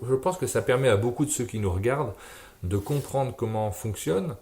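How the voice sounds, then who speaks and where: A man's voice: mid-range voice, animated, brisk, a little mellow. A man hosting an interview show, asking questions and giving frequent affirmations. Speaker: podcast host.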